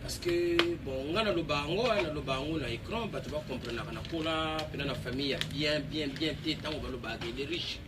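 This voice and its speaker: A man from Congo, a guest in a casual conversation, speaking earnestly and haltingly with many fillers. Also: on the high side. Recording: distant mic with clear background noise.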